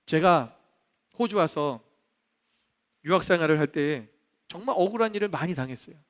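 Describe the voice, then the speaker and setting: A male pastor preaching a sermon in a church, animated, acting out the voices he quotes. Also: fairly high pitch, normal speed. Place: church sanctuary. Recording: long reverb of a church hall.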